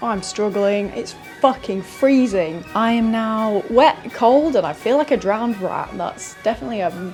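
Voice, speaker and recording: Over music in the background, a woman with a fairly high pitch talks with lively intonation. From UK. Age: young. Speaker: filmmaker, artist. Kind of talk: casual talk to camera.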